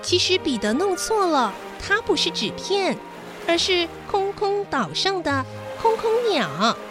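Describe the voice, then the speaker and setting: High-voiced woman telling a bedtime story. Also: very animated, measured pace. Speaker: children's story show host and narrator. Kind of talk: expressive children's bedtime storytelling. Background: background music.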